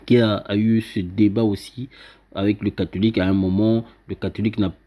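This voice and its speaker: A man explaining a writing system he invented to viewers, pointing at a screen and talking haltingly with many fillers and restarts. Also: lowish voice, little pitch movement, dark tone. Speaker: self-styled teacher presenting his invented script. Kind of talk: informal explanatory talk over a screen.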